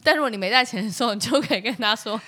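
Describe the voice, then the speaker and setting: A woman's voice: fairly high pitch, rapid-fire, pushed and bright. A woman with a Taiwanese Mandarin accent, co-hosting a casual comedy podcast, complaining in a wry, exaggerated way. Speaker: podcast co-host.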